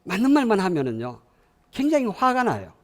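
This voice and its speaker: A man with a Gyeongsang accent lectures parents with real animation. His fairly high voice moves up and down a lot. He keeps asking the audience questions and has them repeat lines after him. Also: huge pitch swings, brisk.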